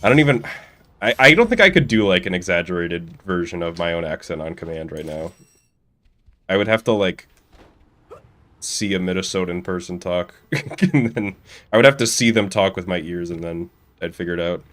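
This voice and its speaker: A man's voice: low-pitched, animated, moderate pace, a bit bright. A young man with a Midwestern American accent, chatting casually and rambling with chuckles while he streams a game. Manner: rambling, chuckling, lots of fillers. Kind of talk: casual chat while gaming. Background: game audio and music.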